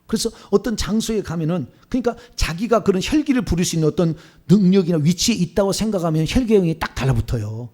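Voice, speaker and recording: A middle-aged male pastor who preaches and leads a repentance prayer with fervent, declamatory force. His voice sits high for a man. It swings widely in pitch as he pushes each confession and vow. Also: lively intonation, quick pace, few pauses, dark tone. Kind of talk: sermon and led repentance prayer.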